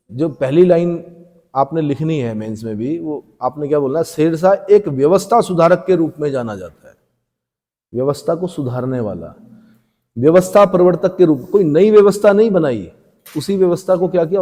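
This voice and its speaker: A man's voice: a little high, mellow. A male teacher giving an exam-prep lecture. He asks questions and answers them himself, and he repeats the key terms. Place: coaching classroom. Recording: echoey room with long reverb.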